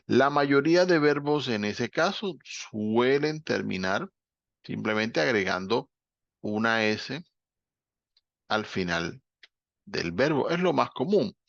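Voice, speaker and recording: Gravelly-voiced man teaching grammar. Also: mid-range voice, animated, takes it slowly, dry recording. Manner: patient, explanatory, checks in with students. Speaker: English teacher. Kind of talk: explaining grammar in a class session. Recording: dull, dry lo-fi recording.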